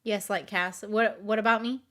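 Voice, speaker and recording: A woman's voice: mid-range voice, fairly even intonation, normal speed, bright, forceful tone. A woman with a light Southern accent, chatting casually with her stream viewers in a rambling, giggly way. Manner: rambling, giggly, restarts and overthinks aloud. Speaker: live streamer.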